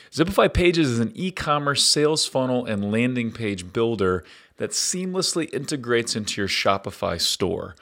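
On location at a conference, a man hosts a podcast in a casual, upbeat, conversational style, chatting and reading an ad with frequent fillers. His voice sits on the low side yet a bit bright, and it's slightly raspy after days of talking.

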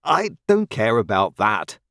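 A woman's voice: very deep voice, sing-song, unhurried, dry recording, clean studio sound, pitched below the performer's own voice, exaggerated voice. A woman voicing a proud, formal wealthy young man who speaks in a clipped, earnest way, in an audiobook. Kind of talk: audiobook character voice.

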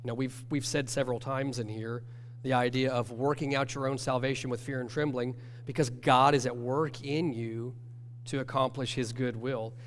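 Brief: man with a cold, nasal church teacher, earnest and measured, long reverb around him. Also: mid-range voice, little pitch movement. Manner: earnest, measured, self-correcting. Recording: long hall reverb with faint hum.

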